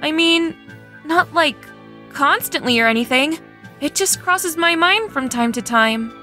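A woman's voice: high-pitched, expressive, a little slow, pushed and bright, faint music behind, full character voice. A woman voicing an earnest, easily flustered young female warrior in a fan dub of an anime game.

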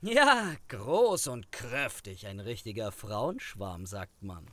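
A man's voice: fairly low pitch, sing-song, slow pace, fairly bright tone, dry recording, heavily acted. A man playing a brash, insinuating investigator in an audio drama, suggestive and smug. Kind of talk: German audio drama acting.

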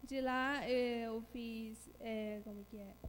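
A woman student introducing herself on stage at a welcome event, pausing to search for words. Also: fairly high pitch, fairly even intonation. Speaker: incoming student. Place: large auditorium. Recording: long hall reverb, faint noise.

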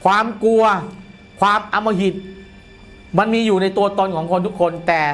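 A man's voice: high-pitched, steady tone, normal speed, a bit bright, faint music behind. A middle-aged man explaining things in a casual, colloquial studio chat, repeating phrases for emphasis. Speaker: guest commentator on a horror show. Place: indoor studio, seated at a desk.

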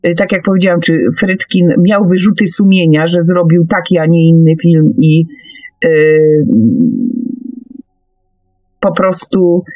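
Slow, halting woman in discussion. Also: on the low side, flat delivery, warm tone, no echo, dull audio, faint music behind. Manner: halting, searching for words, hesitant. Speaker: speaker on a paranormal radio discussion. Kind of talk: conversational discussion, explaining at length.

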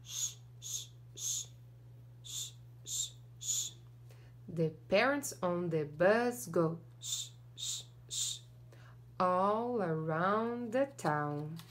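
A woman's voice: lowish voice, animated, very slow, pauses often. A young woman teacher reading a picture book aloud to children and singing along, cheerful and sing-song, recorded in front of a camera in a small classroom corner.

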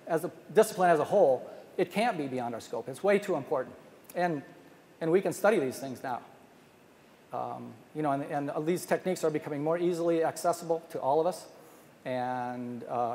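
A man's voice: a little high, darkish tone. Older guy giving a research talk at a podium, lots of restarts, big ballroom echo. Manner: earnest, thinking aloud with many restarts. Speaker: speaker presenting research. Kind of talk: academic conference talk. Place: large hotel ballroom, at a podium. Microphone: podium microphone. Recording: long hall reverb, faint noise.

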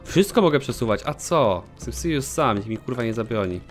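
A man's voice: mid-range voice, brisk, faint music behind. A young man commenting casually on his own gameplay, joking and swearing at himself. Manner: animated, swears a lot, jokey self-talk. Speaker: gaming channel host. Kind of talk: let's play commentary.

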